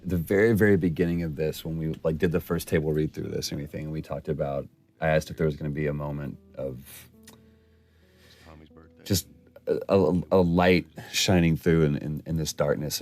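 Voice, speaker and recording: A man's voice: rumbling low, darkish tone. A man giving casual commentary on a scene he acted in, rambling and reflective.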